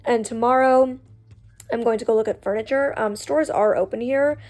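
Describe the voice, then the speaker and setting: A woman's voice: on the high side, normal speed, darkish tone, faint music behind. A woman in her twenties, from Canada, chatting casually in a vlog, full of "like" and "um" fillers. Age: 20s. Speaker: vlogger. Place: at home, then a furniture store.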